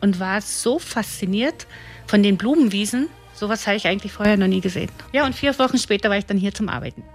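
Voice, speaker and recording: A middle-aged woman from eastern Germany, an herbalist and park ranger, telling her stories in a lively way. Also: mid-range voice, a little fast, faint music behind. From Saxony-Brandenburg border, eastern Germany.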